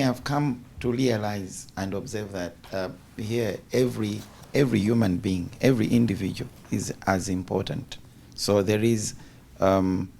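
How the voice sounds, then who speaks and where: A man giving halting, earnest remarks as a participant in a group discussion. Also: fairly low pitch, vocal fry, darkish tone, a little hiss or hum. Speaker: fellowship participant.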